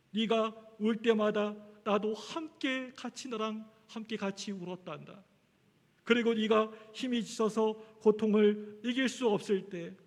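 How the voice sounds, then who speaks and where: A man voicing God, who speaks softly and tenderly to a grieving daughter within a sermon story. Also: high voice. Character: gentle loving God speaking to his daughter. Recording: echoey church hall.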